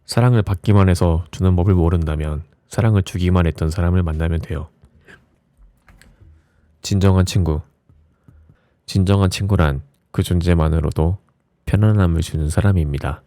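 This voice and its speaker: A man with a low voice reads reflective essays as an audiobook narrator, in a soft ASMR style with a gentle, soothing bedtime delivery. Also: no room sound, studio quality. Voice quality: low, mellow voice.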